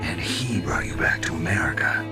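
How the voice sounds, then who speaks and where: A man's voice: a bass voice, animated, normal speed. A man playing a hardened, weary soldier hero in a video game, speaking tersely and seriously as he questions. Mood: stunned. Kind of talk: dramatic video game voice acting. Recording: loud music under the dialogue.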